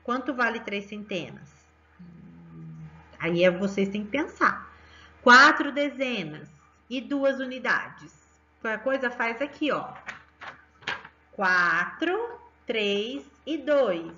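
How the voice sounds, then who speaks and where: A woman's voice: on the high side, animated, takes it slowly, long pauses, sharp tone, highs cut off, a little hiss or hum. Cheerful woman teacher coaxing small children. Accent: Brazilian Portuguese. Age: 30s. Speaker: primary school teacher. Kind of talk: remote math lesson for children.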